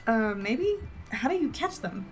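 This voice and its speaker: A woman's voice: fairly high pitch, very animated, unhurried, over music. A woman playing a reserved young newcomer reporter in an audio drama, polite and hesitant with a dry streak. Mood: puzzled.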